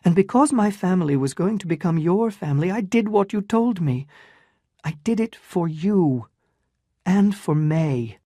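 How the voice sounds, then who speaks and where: A woman's voice: lowish voice, animated, a little slow, dark tone, no echo, clean studio sound, voice pushed up. A reader voicing an anguished, restrained young woman in a dramatized story reading, with emotional, pleading delivery. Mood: distraught.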